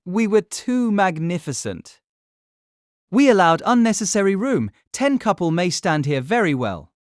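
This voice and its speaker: An eager young gentleman, gallant and flattering, always persuading. His voice sits fairly high and moves with lively inflection, recorded dry and close for a full-cast period audiobook. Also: measured pace, no room sound. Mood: optimistic.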